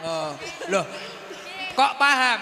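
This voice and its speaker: A man, a preacher chatting with his audience and teasing them with quick questions on a handheld mic. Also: high voice, expressive. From East Java, Indonesia. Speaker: preacher hosting a gathering. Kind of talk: casual chat with audience members. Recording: roomy hall reverb with faint noise.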